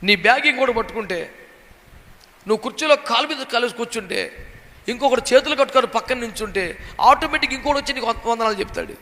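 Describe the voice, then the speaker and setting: A man's voice: extremely high pitch, animated, quick pace, pushed and bright. A man preaching a sermon as a pastor, dramatically acting out the voices he quotes. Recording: long hall reverb.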